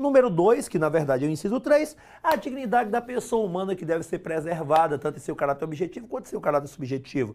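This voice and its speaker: Talking at a very fast pace with hardly any pauses, a man uses an animated tone with a high pitch and very wide pitch swings. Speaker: law teacher. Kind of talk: online lecture. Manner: animated, informal.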